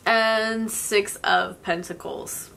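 Young woman in her twenties, tarot reader, sniffly from a cold, slow and reflective delivery. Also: mid-range voice, fairly even intonation, vocal fry. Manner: soft, slow and reflective, with occasional small laughs. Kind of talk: spoken tarot reading. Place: indoors, in front of a floral blanket.

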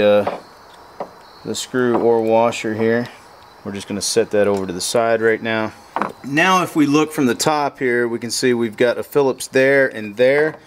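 A man with a mid-pitched voice talks through a motorcycle fuel pump repair one step at a time. His delivery is plain and practical, as if he is narrating while his hands are busy. There is a faint outdoor hum behind him. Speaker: motorcycle repair how-to host. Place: outdoors at a pickup truck bed workbench.

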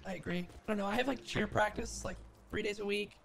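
A man's voice: sits high, fast, gravelly, a bit bright. Man using a voice changer as a glitchy chatty teen girl. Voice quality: staticky, robotic tinge. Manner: rambling with many fillers and restarts. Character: bubbly teenage girl gamer, shy and chatty. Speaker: streamer pranking players.

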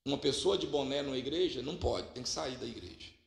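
A man preaching a lively, humorous sermon with a Minas Gerais accent, jumping from loud exclamations to quiet asides. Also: medium pitch, fast, vocal fry. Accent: Minas Gerais Portuguese. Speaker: pastor. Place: church hall. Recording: echoey church hall.

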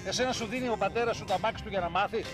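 A man's voice: sits high, over loud music, close to an everyday voice. An actor playing a nervous, hot-tempered middle-aged father giving a driving lesson. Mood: agitated. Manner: jumpy, shouting in alarm.

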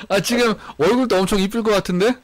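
Excitable thirties male streamer, loud, laughs a lot, headset. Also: very high-pitched, a little hiss or hum. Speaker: game streamer. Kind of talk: casual live-stream chat. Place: small home room. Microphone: headset mic.

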